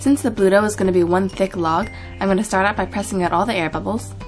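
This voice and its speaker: Over music in the background, a woman talks very fast with ordinary pitch variation. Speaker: baking video host. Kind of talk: recipe tutorial voiceover. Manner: casual, friendly.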